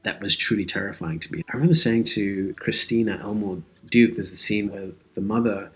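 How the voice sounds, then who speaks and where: A man with a fairly low voice speaks as an interview guest. He is earnest and reflective, working through his thoughts in a philosophical, conversational way. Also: fairly quick, soft background music, poor audio. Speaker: interview guest, audio drama creator and actor.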